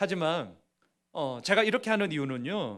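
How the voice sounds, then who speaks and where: On a very clean recording with a silent background, a man speaks in an animated tone with a bright, sharp sound. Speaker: pastor. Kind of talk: sermon.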